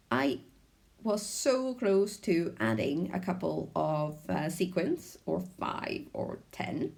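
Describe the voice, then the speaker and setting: A woman narrating a card-making tutorial in a chatty, relaxed way, with frequent ums. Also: mid-range voice, gravelly. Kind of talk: crafting tutorial voice-over.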